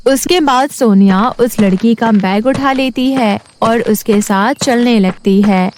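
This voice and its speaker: A woman's voice: on the high side, unhurried, darkish tone, a little hiss or hum. A woman storyteller reading scripted narration for a children's cartoon story.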